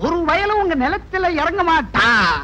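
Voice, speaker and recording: A man's voice: very high-pitched, big pitch swings, moderate pace, bright, forceful tone, a little hiss or hum, full character voice, poor audio. An actor playing a comic male household servant who spins tall tales, in 1980s Tamil film comedy. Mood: indignant.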